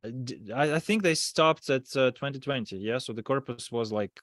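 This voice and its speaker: A man with a mid-pitched voice chats casually as a podcast co-host. His phrasing is hesitant and halting, and the sound is very dry. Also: a bit bright, no room sound.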